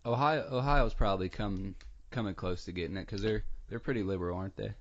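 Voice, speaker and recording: A man's voice: on the low side, fast, muffled recording. A young man hosting a podcast, asking questions in an easygoing way full of filler words. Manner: lots of "like" and "um", easygoing. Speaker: podcast host. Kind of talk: casual interview chat.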